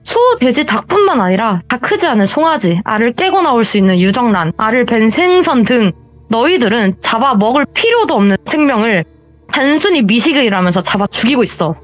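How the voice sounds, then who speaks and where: A woman's voice: a little high, sing-song, brisk, soft background music. A woman voicing a fanatical, self-righteous young woman who mocks and preaches in a told horror story. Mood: preachy. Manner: mocking, preachy.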